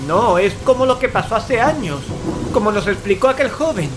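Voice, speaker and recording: A man's voice: high-pitched, lively intonation, moderate pace, background noise. An actor from playing a fearful male paranormal investigator, telling horror in an anxious, ornate, dramatic way. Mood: panicked. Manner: anxious, ornate, dread-laden delivery. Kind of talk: dramatic first-person horror narration and radio-play dialogue. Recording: dramatic music, rain and thunder behind. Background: music, rain, thunder.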